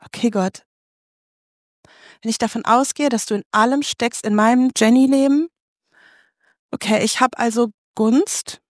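A woman in her thirties gives an open, emotional testimony as a sermon. Her voice sits fairly high, and the recording is dry and close. She keeps turning to her listeners with direct questions. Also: unhurried, pauses often, dry recording. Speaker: preacher.

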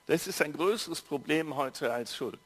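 A male preacher giving a sermon, telling a story in an earnest, measured way with pauses. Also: fairly high pitch, animated, fairly bright tone, breathy edge. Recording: long hall reverb.

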